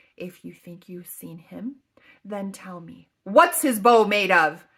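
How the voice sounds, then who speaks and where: A woman with a medium pitch growls quietly in a put-on character voice at a fairly slow pace. Her intonation is lively, and her loudness swings widely. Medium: read story. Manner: quiet, firm.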